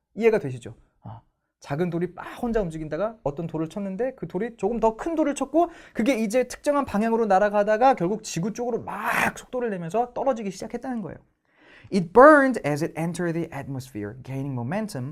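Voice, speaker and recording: On a very clean recording with a silent background, a man with a high pitch speaks in an animated tone at a moderate pace, with very wide pitch swings and big swings in loudness. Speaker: English teacher. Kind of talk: lecture.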